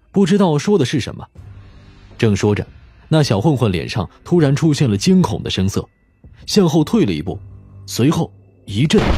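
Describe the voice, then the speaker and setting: A man's voice: mid-range voice, mellow, slightly rough, no room sound. A man narrating a scripted audiobook story as its narrator.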